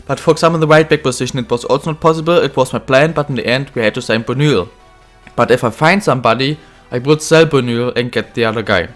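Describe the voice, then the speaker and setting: Sounding a little under the weather, a young man with a medium-pitched voice hosts a gaming video about a football career-mode game. His commentary is casual and rambling, packed with fillers and self-corrections.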